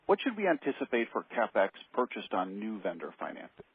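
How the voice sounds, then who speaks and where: A man with a husky voice, a financial analyst phoning in questions on an earnings call. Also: on the low side, very animated, a little fast. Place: telephone call. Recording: dry, muffled narrow phone line.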